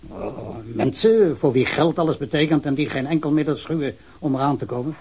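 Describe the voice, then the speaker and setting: A man's voice: fairly high pitch, brisk, a little mellow, breathy edge. A man acting a genial, outspoken male witness in a Dutch radio drama, conversational and frank. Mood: frank, disdainful. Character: genial beer-drinking male witness, frank, disdains the rich.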